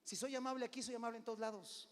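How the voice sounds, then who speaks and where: Pastor preaching in a reverberant church. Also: male voice, very high-pitched, steady tone, rapid-fire. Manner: conversational preaching, calls "hermano" often, swings between loud and hushed. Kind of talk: sermon. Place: church sanctuary. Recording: long hall reverb.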